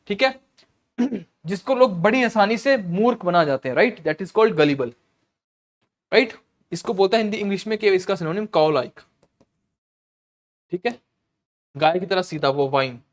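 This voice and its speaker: A man teaching exam vocabulary in a Hindi-English mix, explaining slowly, repeating words and checking in with "okay" as he goes. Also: high voice. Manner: clears throat often.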